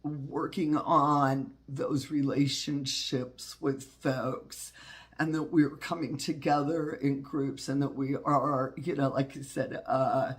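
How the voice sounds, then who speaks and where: A man with a drawl speaks heartfelt and unscripted, leaning on "you know" and "uh" as he works through a hard time. His voice sits a little higher than most men's yet sounds low and stuffy from a cold. He talks about community and spirituality with earnest warmth. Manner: folksy, heartfelt, many fillers and restarts. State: congested. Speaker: witchcraft channel host. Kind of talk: personal reflective talk.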